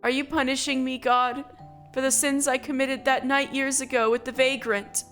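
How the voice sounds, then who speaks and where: A woman's voice: high-pitched, flat delivery, normal speed, fairly bright tone, soft background music. Woman playing a haunted, guilt-ridden mother. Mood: fearful. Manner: anxious, brooding inner monologue. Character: frightened, guilt-ridden mother of a strange child.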